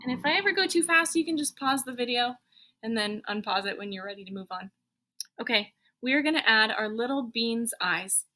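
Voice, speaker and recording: Speaking a little fast in a fairly high, expressive voice that is pushed and bright, a schoolteacher walks kids through a drawing one step at a time. She thinks aloud and keeps her instructions simple and encouraging, on a low-quality recording.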